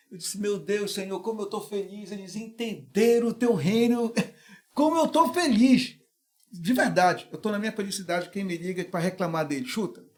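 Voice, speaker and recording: Um pastor brasileiro contando histórias num bate-papo descontraído, imitando as vozes das pessoas com animação. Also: male voice, high voice. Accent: Brazilian. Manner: animated, acts out voices in anecdotes. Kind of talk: casual storytelling chat.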